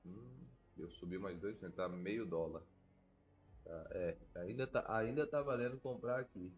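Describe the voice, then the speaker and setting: A man's voice: fairly low pitch, unhurried, breathy edge, highs cut off. A Brazilian man with a stuffy, congested nose from a cold, thinking aloud in casual, slangy gameplay commentary. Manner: informal, slangy, swearing. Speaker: gaming video creator.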